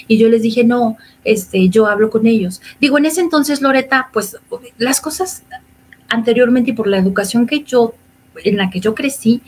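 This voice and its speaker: A woman's voice: mid-range voice, a little hiss or hum. A woman, telling her personal story as an interview guest, often acting out what others said. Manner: emotional storytelling, quoting others. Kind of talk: personal testimony.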